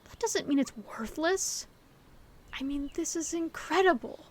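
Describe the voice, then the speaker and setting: A woman acting a gentle, hopeful best friend in an audio roleplay, talking to the listener in an earnest, reassuring, conversational way. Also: high-pitched, unhurried. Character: gentle, hopeful female best friend comforting her secret crush. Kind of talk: scripted audio roleplay, intimate one-sided dialogue to the listener.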